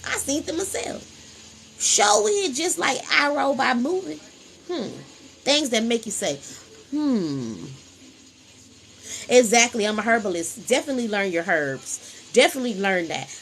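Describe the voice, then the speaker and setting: A woman's voice: a little high, animated, moderate pace, creaky, a bit bright, a little hiss or hum, low-quality recording. A woman hosting a casual spiritual livestream, talking in a preachy, repetitive, emphatic way into a phone.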